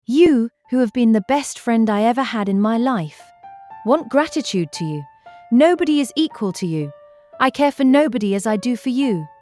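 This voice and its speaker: A woman's voice: fairly high pitch, animated, normal speed, darkish tone, faint music behind, lightly acted. A woman playing a sweet, tender-hearted young woman in a classic novel audiobook, effusive and pleading. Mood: tearful devotion. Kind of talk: full-cast classic novel audiobook acting.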